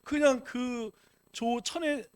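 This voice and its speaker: A male pastor gives a sermon in a high, lifted voice, turning constantly to his congregation with rhetorical questions. His talk is conversational rather than formal. The recording is dry, with little room sound. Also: steady tone, slow pace, smooth, no echo. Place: church.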